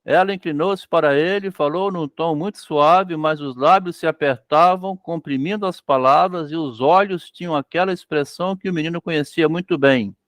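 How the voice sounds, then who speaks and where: This Brazilian speaker's fairly bright voice sits on the high side, moving at a moderate pace with hardly any pauses in a dry, studio-quality recording. He alternates reading a story aloud with explaining it as a literature lesson, performs characters' dialogue, and says "né?" often.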